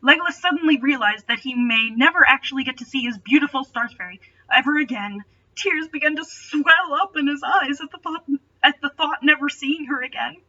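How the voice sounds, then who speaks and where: A woman's voice: sits high, a little fast, sharp tone. A woman reading a story aloud in a dramatic style, dropping in playful, sarcastic asides. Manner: sardonic, playful. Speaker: reader and commentator. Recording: dull, distant home microphone.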